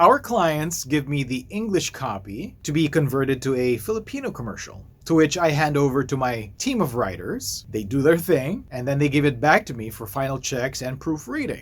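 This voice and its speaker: With hardly any pauses, a man talks at a moderate pace in a fairly high, somewhat breathy voice. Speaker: voiceover artist and radio production manager. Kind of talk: explainer talk to camera.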